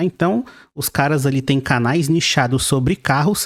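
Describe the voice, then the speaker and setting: A man with a normal speaking voice talks at a fairly high pitch with ordinary pitch variation. The recording is very clean, with a silent background. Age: middle-aged. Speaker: YouTuber. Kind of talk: video commentary.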